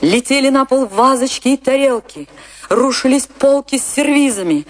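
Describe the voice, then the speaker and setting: An actress playing an anguished woman recalling her tragic love in a theatrical radio drama, with weighty pauses. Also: sits high, lively intonation, no echo. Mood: agitated, distraught. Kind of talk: dramatic first-person narration in a radio play.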